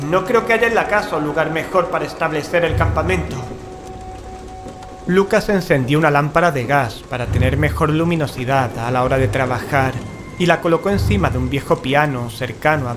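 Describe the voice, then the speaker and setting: A man's voice: mid-range voice, lightly acted. A man playing a frightened paranormal investigator in a horror audio drama, telling of a haunted house with dramatic unease. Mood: hesitant. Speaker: narrator and character in an audio drama. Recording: music behind the voice.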